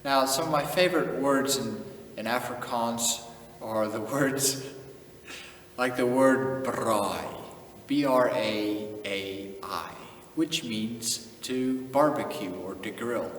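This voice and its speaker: A man's voice: mid-range voice, slow pace, far from the mic. A young man from the United States, chatting casually on his own video channel, laid-back and chuckling often. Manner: laid-back, chuckling, drops in Afrikaans phrases. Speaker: channel host. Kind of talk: casual vlog talk. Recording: echoey room, voice from off-mic, faint noise.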